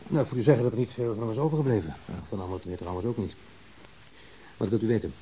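A man playing a calm, matter-of-fact pathologist explaining findings in a Dutch radio drama. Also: on the low side, rapid-fire, natural voice, low-quality recording. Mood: factual. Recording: hissy old radio drama recording.

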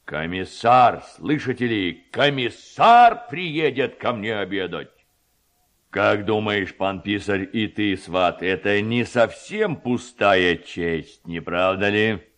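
Pompous storybook village headman, acted out by a male reader: deep, gruff, ponderously slow, commanding and boastful. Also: animated, a bit bright. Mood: self-important delight. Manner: pompous, slow, drawn-out emphatic delivery.

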